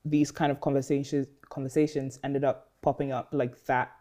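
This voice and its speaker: A woman's voice: very deep voice, moderate pace. A young woman from Ghana, a podcast guest, chatting casually and rambling with lots of "like" and "um". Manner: relaxed, rambling, many "like" and "um" fillers. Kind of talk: casual interview chat.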